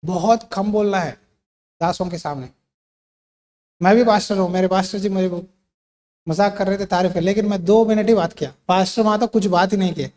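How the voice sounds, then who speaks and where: A man preaching a sermon as pastor, emphatic, with sudden swings from loud to quiet and English words mixed in. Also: high voice, fairly even intonation, a little fast, long pauses. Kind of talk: Hindi sermon.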